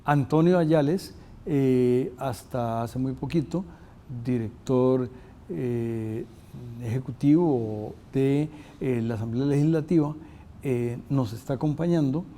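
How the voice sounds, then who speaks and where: An older man from Costa Rica hosts a university interview and speaks very slowly. His delivery halts often and is packed with filler sounds. His voice is mellow and dark. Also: mid-range voice. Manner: halting, many filler sounds. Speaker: host.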